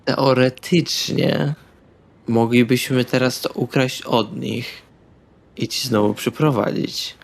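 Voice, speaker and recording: A man's voice: medium pitch, steady tone, slow, vocal fry. A man playing a tabletop role-playing game, talking casually with the group. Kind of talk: casual role-play chat.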